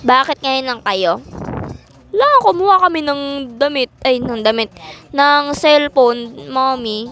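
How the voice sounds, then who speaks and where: A woman's voice: sits high, lively intonation, takes it slowly, long pauses, fairly bright tone. A woman voicing a whole family in a playful game role-play, switching between characters.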